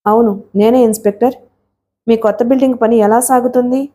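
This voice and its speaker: A woman's voice: fairly high pitch, fairly even intonation, fairly quick, warm tone, natural voice. A woman playing a cold gloating rich villain. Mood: smug. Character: arrogant wealthy young male villain, mocking.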